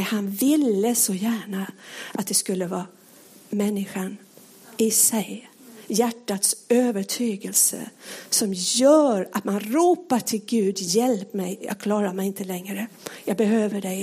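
A woman preaching a sermon, earnest and pleading, often sinking to a hushed whisper. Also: medium pitch, breathy edge.

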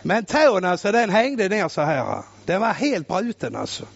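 A male preacher telling a story in a sermon, loud and exclamatory, swinging from shouting to hushed tones. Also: high voice, huge pitch swings, vocal fry. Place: church. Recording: muffled lo-fi recording.

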